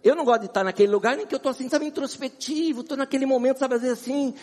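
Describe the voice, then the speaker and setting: A man with a Brazilian accent preaching a humorous sermon as a guest preacher, telling animated stories with a husky voice and sweating as he talks. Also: very high-pitched, rapid-fire. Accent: Brazilian Portuguese. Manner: animated, laughing storyteller. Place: large round church. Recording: long church hall reverb.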